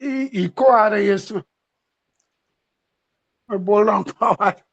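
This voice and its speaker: A man answering quiz questions slowly on a video call, with echo on his line. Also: high voice, muffled recording. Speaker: quiz participant.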